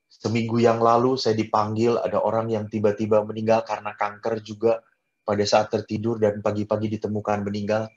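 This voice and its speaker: A man, a Catholic priest, giving a sermon in an animated way, repeating words for emphasis and swinging from loud to soft. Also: brisk, highs cut off. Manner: animated, with sharp swings in pitch and loudness.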